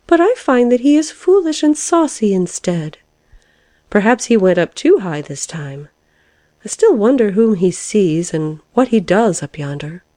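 A woman acts out a timid little old-lady caterpillar from a storybook. The voice sits high and rises and falls freely, plaintive and prim, earnest and quick to take offence. The sound is close and dry. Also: big pitch swings, warm tone, no room sound.

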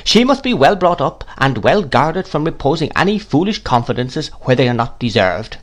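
A man's voice: on the high side, very animated, normal speed, voice pushed up. A man putting on a stern, imperious older aunt. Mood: commanding. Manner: imperious, clipped, scolding. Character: stern, brusque older woman aunt, commanding.

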